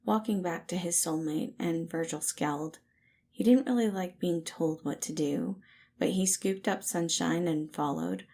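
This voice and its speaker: A woman's voice: lowish voice, mellow, a little hiss or hum. A woman reading scripted fiction aloud as the narrator of an audio story.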